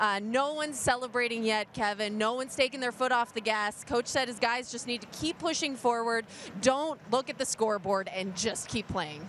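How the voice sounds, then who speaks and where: With hardly any pauses, a woman speaks at a fairly high pitch in a dry sound with no echo, against light background noise. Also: ordinary pitch variation, moderate pace. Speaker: sideline reporter. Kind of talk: interview; sports sideline report and interview questions. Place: stadium. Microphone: handheld.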